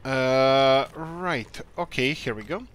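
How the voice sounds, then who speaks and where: A man's voice: medium pitch, slow pace, a bit bright. A man from Croatia, hosting a let's play and chatting casually while he plays, thinking aloud in an upbeat, rambling way. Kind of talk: casual gameplay commentary.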